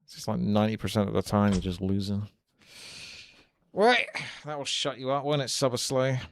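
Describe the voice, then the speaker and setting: A man's voice: on the low side, normal speed. A man giving casual live commentary as he streams a game, with game music behind him. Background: loud game music and effects.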